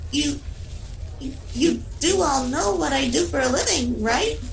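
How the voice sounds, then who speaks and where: A woman's put-on character voice, high-pitched and fairly slow, with clear background noise. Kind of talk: comedy audio drama dialogue. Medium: audio drama.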